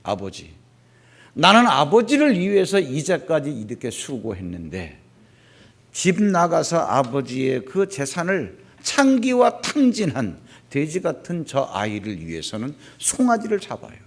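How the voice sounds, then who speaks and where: A man's voice: fairly high pitch, wildly swooping pitch, unhurried, creaky, full character voice. A male pastor voicing a resentful eldest son who complains bitterly to his father.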